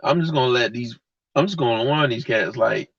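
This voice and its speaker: A male streamer with a medium-pitched, gravelly, husky and slightly bright voice speaks briskly in a blunt, heated, slangy rant aimed at his live chat. His dull lo-fi mic adds no echo.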